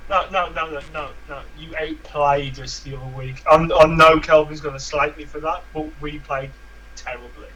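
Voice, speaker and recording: A man's voice: a little high, fairly even intonation, moderate pace, crowd noise. A man with a Black Country accent co-hosting a casual live stream, making dry, teasing quips. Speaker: co-host. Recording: noisy live-stream audio.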